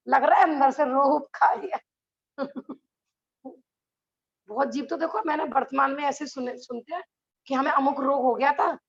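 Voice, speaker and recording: A woman with a high, gravelly voice leads a religious class. She keeps turning to her listeners with rhetorical questions and laughs between her points. The recording sounds dull and lo-fi. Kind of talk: lecture to a class.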